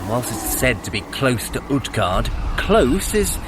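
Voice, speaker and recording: An actor playing a sly, cautious trickster god in an audio adventure drama, with dry sarcasm and formal diction. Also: male voice, mid-range voice, very animated, a little slow, noisy background.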